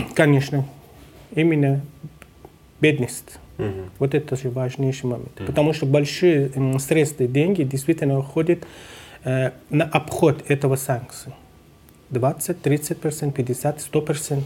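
A man with a Persian accent speaks fairly slowly in a fairly high, dark and mellow voice that is somewhat breathy, with fairly even intonation and long, frequent pauses. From Iran. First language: Persian (speaking Russian). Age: 50s. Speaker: pharmacist and importer. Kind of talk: interview. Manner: halting.

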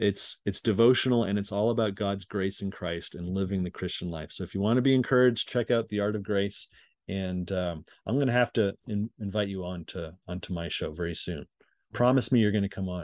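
A man's ordinary speaking voice, fairly low in pitch and fairly quick, with ordinary pitch variation. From Montreal, Canada. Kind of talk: interview.

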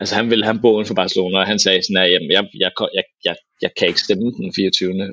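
A fairly low male voice, monotone and flat, at a fairly quick pace. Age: 20s. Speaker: university student and football fan. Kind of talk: casual chat. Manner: halting, many fillers and repetitions.

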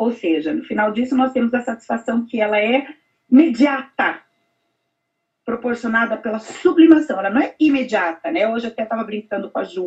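A woman speaks in an ordinary speaking voice, at a fairly quick pace. Her pitch is fairly high, with lively intonation. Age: 50s. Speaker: education professor. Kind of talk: lecture presentation.

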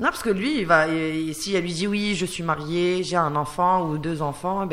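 With ordinary pitch variation and a moderate pace, a woman speaks amid audible room echo. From North Africa. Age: 30s. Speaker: job seeker. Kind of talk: casual chat.

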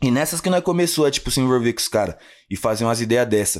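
Very fast speech from a man at medium pitch with ordinary pitch variation, on a very clean recording with a silent background. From Brazil, São Paulo area (Guarulhos). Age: 20s. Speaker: rapper. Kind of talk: casual chat.

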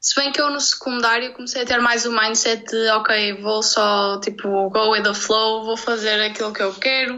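Noticeable background noise sits behind a woman with a fairly high pitch. She speaks at a moderate pace in a monotone, flat intonation. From Portugal, Porto. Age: young. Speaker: YouTuber. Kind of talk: casual chat.

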